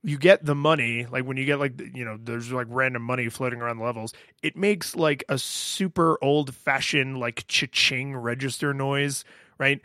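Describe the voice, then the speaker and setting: A man with a fairly deep voice co-hosting a podcast, rambling in casual chat with frequent fillers and laughs. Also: moderate pace, pushed and bright, dry recording, studio quality. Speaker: podcast co-host. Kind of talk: casual chat about a video game.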